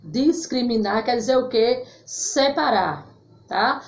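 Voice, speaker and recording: A woman's voice: on the high side, lively intonation. A woman teacher giving a grammar lesson to children in Brazilian Portuguese, spelling out words carefully and checking in with "tá certo?", calling her pupils "my loves.". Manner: slow, clearly spelled-out words with frequent "tá certo?" check-ins; affectionate, calls pupils "meus amores". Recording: echoey room, slightly dull sound.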